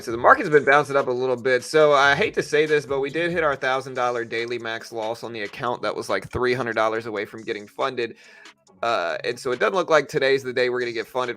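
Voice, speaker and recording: Over background music, a stock trader running a laid-back market livestream chats with his audience and thinks out loud. His mid-range voice is bright and forceful.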